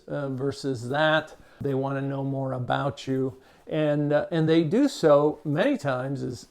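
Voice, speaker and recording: An older man, born in Cuba and raised in Miami, with a Cuban-American accent, speaking to camera as a behavior expert in a measured, unhurried way with frequent "uh" fillers. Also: a little high, vocal fry, a little mellow. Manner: measured, unhurried, with many "uh" fillers and small restarts. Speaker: behavior expert, channel host. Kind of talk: reflective talk to camera.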